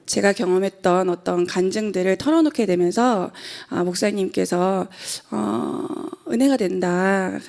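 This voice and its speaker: Woman, 40s, pastor's wife at the pulpit, earnest and a bit nervous, hesitant pauses, light fry in the voice. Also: mid-range voice, a little mellow. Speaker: pastor's wife giving testimony. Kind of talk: church testimony and sermon. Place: church sanctuary at the pulpit.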